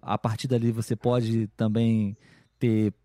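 A Brazilian man hosting a podcast, talking in an easygoing, reflective way and often checking in with "né?". His voice is mellow and warm. It is recorded dry and close, with no room around it. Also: fairly low pitch, level tone, a little slow, no echo. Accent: Brazilian Portuguese. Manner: thoughtful, with frequent "né?" and restarts. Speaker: podcast host. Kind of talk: casual podcast conversation.

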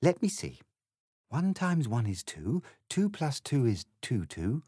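A man's voice: mid-range voice, big pitch swings, slow, mellow, breathy edge, dry recording, studio quality, pitched above the performer's own voice, heavily acted. A man voicing a confused, indignant little girl in a storybook, speaking primly and earnestly with exclamations. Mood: puzzled.

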